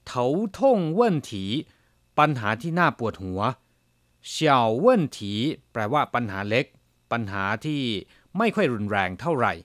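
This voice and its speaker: Male teacher for a lesson program. Slow, deliberate pronunciation with an animated voice and a dry studio sound. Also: mid-range voice, no room sound. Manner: slow, careful word-by-word pronunciation. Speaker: language teacher. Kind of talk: radio-style language lesson.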